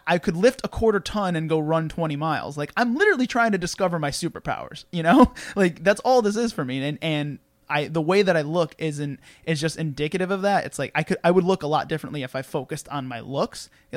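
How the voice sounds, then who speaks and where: A man's voice: fairly high pitch, no room sound. A man hosting a podcast in casual chat, swearing freely and laughing as he tells stories. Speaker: podcast host.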